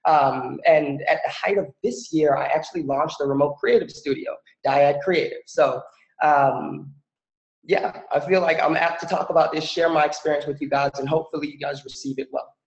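A man from the Bahamas giving a relaxed, chatty presentation over a video call, with many fillers. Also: on the high side, normal speed. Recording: echoey, dull video-call audio.

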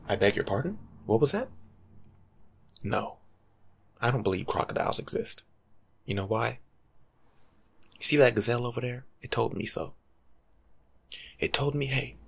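A young man doing soft-spoken ASMR as a laid-back, rambling life coach, husky and often slipping into a whisper. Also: mid-range voice. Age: young adult. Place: small room at home.

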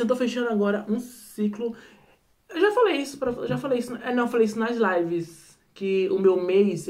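Brazilian guy at home doing a late night vlog, rambly, tons of fillers and repeats. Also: high-pitched. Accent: Brazilian Portuguese. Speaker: vlogger.

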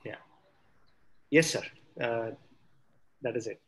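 A man's voice: medium pitch, takes it slowly, rough recording. A man moderating an online question session in a polite, hesitant manner. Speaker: webinar moderator.

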